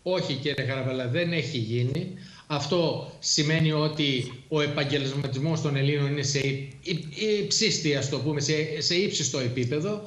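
A middle-aged man, a former air force pilot, explaining things in a measured way with frequent hesitations on a studio talk show. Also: a little high, a bit bright, roomy sound.

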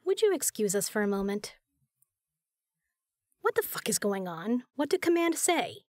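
A woman's voice: a little high, very animated, normal speed, a little mellow, no room sound, clean studio sound. An actress playing a tough, commanding but caring female spy in an intimate audio drama. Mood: suspicious.

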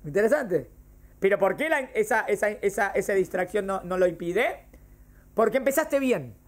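A man's voice: sits high, lively intonation, normal speed. Man, religion teacher, patient classroom explainer who keeps quizzing his students. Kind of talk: classroom lesson on Jewish law.

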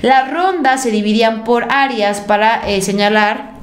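Young Mexican-accented woman commentator, higher voice, punchy and sarcastic, echoey room. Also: a little slow. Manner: emphatic, sarcastic, animated pitch swings. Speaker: political commentator. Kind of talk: opinionated news commentary. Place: indoor room at a desk. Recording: roomy echo.

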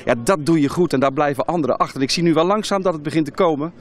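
A man's voice: fairly high pitch, racing. A man in his forties doing informal street interviews outdoors with a handheld microphone. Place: outdoor market.

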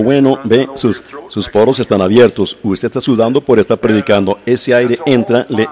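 A man with a fairly low voice preaches at an unhurried, measured pace. He retells events plainly, often stopping to repeat or restart his words. The delivery sounds like a sermon read in translation. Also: darkish tone. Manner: slow, measured storytelling with frequent restarts.

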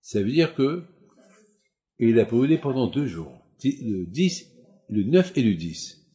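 Rabbi guy preaching, dark mellow voice, keeps repeating and asking where's the problem. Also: mid-range voice, big pitch swings, slow. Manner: repetitive, emphatic rhetorical questions. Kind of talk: sermon.

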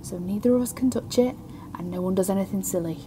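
A woman's voice: mid-range voice, fast, background noise, lightly acted. A woman acting in an audio drama as a desperate, exasperated trapped scientist with a blunt, commanding manner. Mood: wary pleading.

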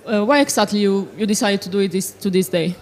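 A woman's voice: medium pitch, quick pace, a little mellow. A young woman in her twenties hosting festival interviews, speaking into a handheld mic with many hesitant fillers. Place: festival lounge set, indoors.

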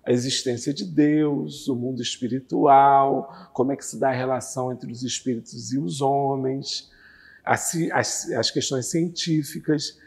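A man in his fifties, a guest on a TV interview, calmly explaining a religious doctrine with lively hand gestures, on a lapel mic in a curtained studio. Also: medium pitch, measured pace, creaky, breathy edge, big-room sound. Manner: animated, gestures with both hands while talking. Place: TV studio with red curtain backdrop.

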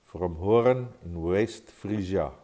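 A man in his sixties with an Afrikaans accent, a farmer speaking English as a second language in an earnest, deliberate vlog from his home study. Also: deep voice, warm tone. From South Africa. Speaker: farmer vlogger. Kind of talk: talking-to-camera vlog. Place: home study with bookshelves, indoors.

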